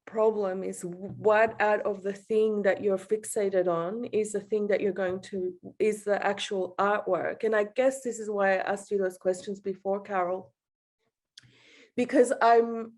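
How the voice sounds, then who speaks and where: A woman from El Salvador giving an informal, personal artist's talk over a video call, halting and self-deprecating, often laughing as she speaks. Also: mid-range voice, fairly even intonation, a little mellow. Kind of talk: informal personal reflection in an online panel.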